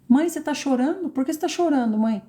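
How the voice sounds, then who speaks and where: A woman's voice: high voice, animated, quick pace, dark tone, pitched above the performer's own voice. A woman voicing a curious small child who keeps questioning its mother. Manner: insistent repeated questions.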